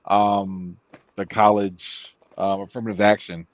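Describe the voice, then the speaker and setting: A man's voice: fairly low pitch, flat delivery, a little slow. Blunt panelist, man, dull lo-fi recording. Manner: blunt, profane, teasing. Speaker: podcast panelist. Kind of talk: casual panel chat.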